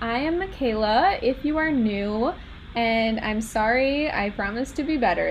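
A woman with an American accent speaks at a fairly high pitch over noticeable background noise. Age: 20s. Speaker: dating podcast host. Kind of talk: casual solo podcast monologue.

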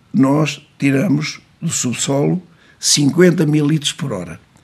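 A man speaks very slowly at a fairly high pitch. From Portugal, Mortágua. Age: 80s+. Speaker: businessman. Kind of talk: interview. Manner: hesitant, with filler sounds.

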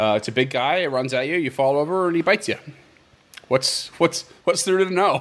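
Lively intonation marks a man's high-pitched speech in an East Coast US accent. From US East Coast. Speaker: podcast host. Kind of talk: casual chat.

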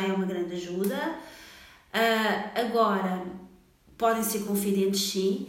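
A woman at medium pitch and a fairly slow pace, with long, frequent pauses, audible room echo and noticeable background noise. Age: 40s. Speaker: holistic personal trainer. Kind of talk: casual chat.

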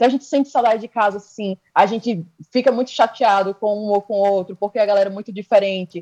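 A dark, mellow voice at a very fast pace with hardly any pauses, fairly even intonation, big swings in loudness and a dry, close sound with no echo. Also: woman, medium pitch for a woman. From Bahia, Brazil. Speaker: psychology student, former missionary. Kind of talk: interview testimony.

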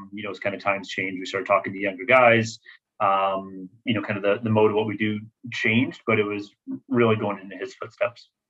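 With a western New York accent, a man speaks at a fairly quick pace in a bright, sharp tone, flat and monotone in intonation but with big swings in loudness. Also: fairly low pitch for a man. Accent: American (western New York). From US Northeast (Rochester, New York). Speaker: sports agent. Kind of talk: casual interview.

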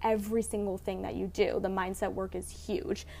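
Vocal fry runs through speech delivered at a fairly quick pace. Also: woman. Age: 20s. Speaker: health coach. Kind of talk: casual chat. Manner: animated.

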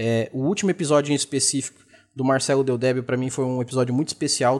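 With a normal speaking voice, a man talks at a moderate pace in a medium pitch with fairly even intonation, on a very clean recording with a silent background. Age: 30s. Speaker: podcast host and RPG game master. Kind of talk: solo monologue, casual reflective talk.

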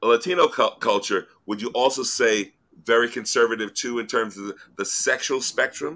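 Recorded very cleanly against a silent background, the voice moves at a moderate pace with an animated tone. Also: man. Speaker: radio host. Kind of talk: radio talk show.

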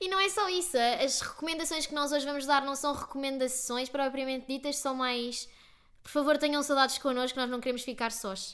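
A woman speaks in a high voice at a fairly quick pace. Her pitch rises and falls in an ordinary way. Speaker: podcast co-host. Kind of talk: casual chat.

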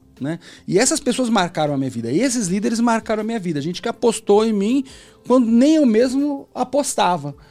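Music plays in the background as a man talks at a fairly quick pace. His voice moves through very wide pitch swings. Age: 40s. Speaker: psychologist and author. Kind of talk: podcast interview. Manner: halting, frequent repetitions.

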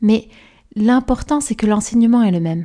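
Over a quiet background, a woman speaks at a moderate pace in a fairly high, warm, somewhat breathy voice with ordinary pitch variation. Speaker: podcast host and mindfulness coach. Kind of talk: solo monologue podcast. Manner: warm, conversational.

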